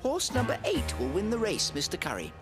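An actor voicing an innocent young cartoon bear, courteous, earnest and matter-of-fact. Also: male voice, sits high, wildly swooping pitch, brisk. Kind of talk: animated cartoon acting. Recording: cartoon music behind voice.

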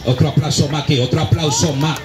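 A fervent middle-aged man preaching into a handheld microphone on a busy street, his fairly high voice ringing out through a loudspeaker. The sound is echoey, with a loud crowd and loud music all around him. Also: fairly even intonation, quick pace. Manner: fervent, calls out commands and prayers, loud bursts. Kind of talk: open-air evangelistic sermon and prayer. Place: busy city street outdoors.

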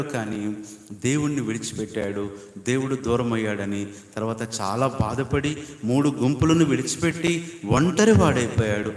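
A man preaching a sermon as pastor, building emphatic repeated points and rising to loud appeals to his listeners. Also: medium pitch. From India. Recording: echoey hall with long reverb.

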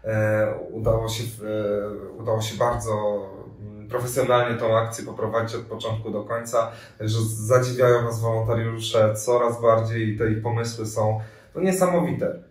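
A hesitant man in his thirties answers interview questions, pausing often and restarting his sentences. His voice sits low. The sound is roomy, picked up from a distance in a sitting room. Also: steady tone. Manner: hesitant, many fillers and restarts. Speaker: volunteer coordinator, guest. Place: room with armchairs and radiator, indoors. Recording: echoey room, mic at a distance.

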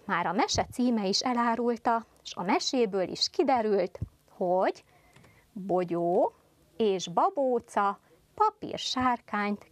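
A woman teacher giving a televised first-grade lesson, speaking slowly and carefully articulating to small children. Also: medium pitch, dry recording. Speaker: primary school teacher.

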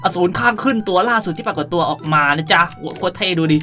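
Bright, high-voiced young man hosting gameplay. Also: fast talker. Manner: playful, animated, uses cutesy polite sentence endings. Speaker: gaming video host. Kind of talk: casual gameplay tutorial. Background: background music.

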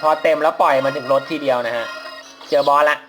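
A man with a fairly high voice talks fast in a steady tone while casually commentating on a mobile game over music. Polite and chatty, he laughs at his own mistakes, recorded on the phone's mic as he plays.

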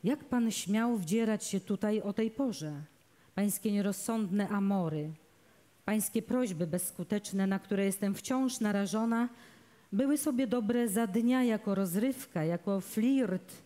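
A woman's voice: medium pitch, takes it slowly, mellow, lightly acted. A woman voicing a proud young lady who scolds in an indignant, theatrical manner. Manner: indignant, reproachful.

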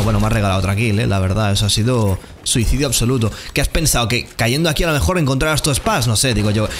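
Fast-talking young Spanish gamer. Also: male voice, medium pitch, background noise. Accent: Spain Spanish. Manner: excitable, swings from muttering to shouting. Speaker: gaming streamer. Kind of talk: live gameplay commentary.

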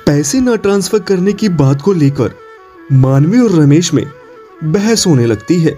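Mellow man narrating a cartoon story. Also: fairly high pitch, expressive, a little slow, faint music behind. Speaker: narrator and voice of the husband.

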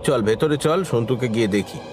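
An actor playing a concerned, forgiving younger brother in a radio drama, speaking with urgent emotion. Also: male voice, mid-range voice, fairly quick, over music, close to an everyday voice.

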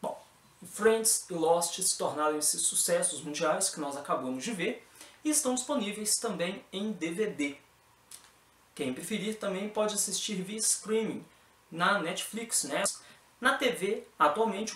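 A young man with a Brazilian accent, presenting the news in a formal, scripted read from a desk in a small room. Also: high-pitched. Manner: even, formal anchor delivery. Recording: roomy echo with faint music behind.

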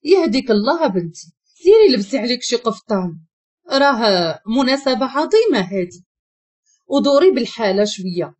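Storybook Moroccan mother, done by a woman narrator, nagging but fond, fairly high and animated. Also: normal speed, breathy edge. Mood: chiding. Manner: chiding, coaxing. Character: fussy mother scolding her grown daughter.

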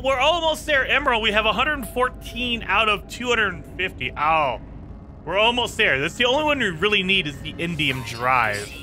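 Chatty gamer guy with a raspy voice. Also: high-pitched, pushed and bright. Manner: chatty, talks to viewers while playing. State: slightly hoarse. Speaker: gaming channel host. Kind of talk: casual gameplay commentary.

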